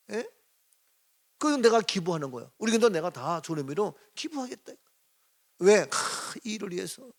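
A middle-aged male pastor giving a casual early-morning sermon, chatty and teasing, sometimes rising to emphatic exclamations. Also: sits high. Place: church sanctuary.

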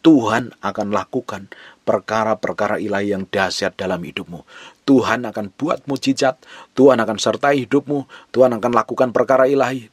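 A man's voice: fairly low pitch, no room sound. A man preaching a sermon as a pastor, fervent and emphatic, mixing casual colloquial speech with scripture reading.

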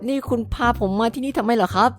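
A woman's voice: a little high, racing, faint music behind, lightly acted. Brief: woman voicing a jittery, good-hearted teen boy, polite and stammering. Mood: flustered. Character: nervous kind-hearted teenage boy hero. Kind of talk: game cartoon voice acting.

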